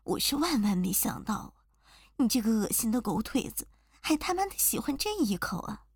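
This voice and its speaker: A woman's voice: fairly high pitch, sing-song, slightly rough, no echo, clean studio sound, exaggerated voice. A woman voicing a cruel, mocking young woman rival in an amateur audio role-play. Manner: mocking, drawn-out sneers.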